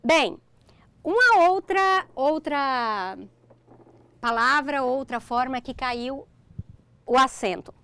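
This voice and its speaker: Slow, high-voiced Brazilian woman teaching grammar. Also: animated, sharp tone, smooth, no echo. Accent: Brazilian Portuguese. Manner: explains slowly step by step, checks with "ok?". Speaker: Portuguese language teacher. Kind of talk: recorded online grammar lesson.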